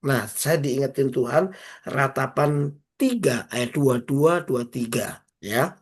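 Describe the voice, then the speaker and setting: A man preaching an informal sermon over a video call, exhorting listeners by name and slowing into emphatic recited lines. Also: mid-range voice, husky. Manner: exhorting, repeats phrases and drops into slow emphatic recitation; addresses listeners by name, casual colloquial asides. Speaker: preacher leading an online prayer meeting.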